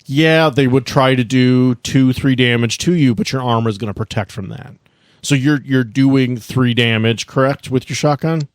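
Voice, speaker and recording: A man's voice: mid-range voice, normal speed, dry recording, clean studio sound. A man acting as game master of a tabletop game, improvising scene narration and ruling on moves. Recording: music playing behind the voice.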